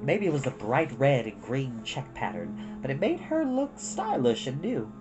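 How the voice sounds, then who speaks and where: An expressive, informal storyteller reading a children's book aloud, with casual asides. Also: mid-range voice, moderate pace, music in the background. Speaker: storyteller and host.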